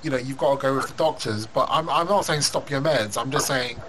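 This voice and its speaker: Rambling host over loud noise. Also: male voice, mid-range voice, brisk. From London. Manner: rambling, many restarts and "you know"s. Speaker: podcast host. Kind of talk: casual interview.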